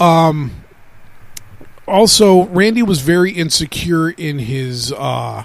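Somewhat breathy, a man talks with ordinary pitch variation. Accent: American. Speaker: podcast host. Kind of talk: casual podcast chat.

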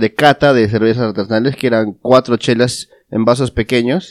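A man with a Peruvian accent speaks in an animated tone at a moderate pace and medium pitch. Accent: Peruvian Spanish (Lima). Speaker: podcast co-host. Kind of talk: casual chat, storytelling. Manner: animated, laughing.

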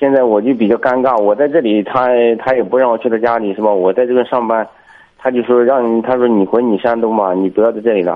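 With fairly even intonation, a man talks at a fairly quick pace in a medium pitch. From Shandong, China. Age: 20s. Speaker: teacher, caller. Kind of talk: call-in advice conversation. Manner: halting, repetitive.

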